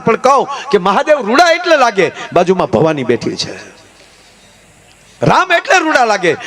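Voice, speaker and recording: A man performing folk comedy on stage. He tells stories in a lively way and slips into character voices and chants. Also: very high-pitched. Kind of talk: Gujarati folk comedy storytelling.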